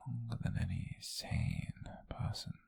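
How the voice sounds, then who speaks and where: A man playing an obsessive, lovesick captor in an intimate audio roleplay, confessing in a halting, breathy whisper, pleading yet menacing. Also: mid-range voice, steady tone, darkish tone, no echo, heavily acted. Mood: aching, confessional. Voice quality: breathy, husky, gravelly whisper. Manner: slow, halting confession with sighs.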